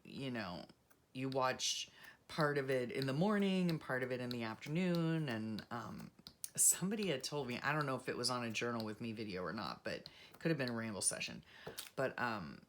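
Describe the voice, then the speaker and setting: A woman vlogger chatting casually and rambling softly while she works on a journal craft. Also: extremely low pitch, expressive, moderate pace, slight background noise. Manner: soft-spoken, rambling, self-deprecating, many fillers. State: frog in her throat.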